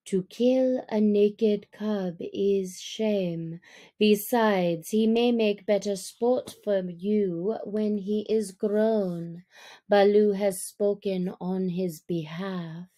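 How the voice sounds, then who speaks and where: A woman voicing a cunning male black panther with a soft, purring, courtly and deliberate way of speaking, in a storybook reading. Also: medium pitch. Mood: smooth, persuasive.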